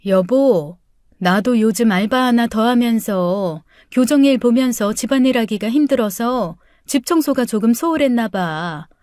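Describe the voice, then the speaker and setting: A woman's voice: on the high side, lively intonation, measured pace, dry recording. A woman playing a tired, hurt middle-aged wife in a radio story, answering her husband in a pleading tone. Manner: pleading, then bursting into shouts.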